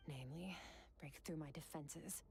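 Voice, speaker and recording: A woman's voice: low voice, normal speed, warm tone, close to an everyday voice. A woman playing a cool, aloof young warrior in a video game, stern, composed and haughty in manner. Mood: composed, cold.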